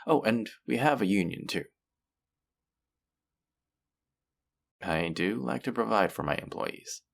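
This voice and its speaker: A man playing a suave, pleasant supervillain in a scripted audio roleplay, speaking in a polished, measured, theatrical and amiable way. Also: on the low side, expressive, vocal fry. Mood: businesslike, proud. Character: suave, pleasant male supervillain interviewing a minion recruit. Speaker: voice actor. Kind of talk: scripted roleplay audio drama, conversational monologue.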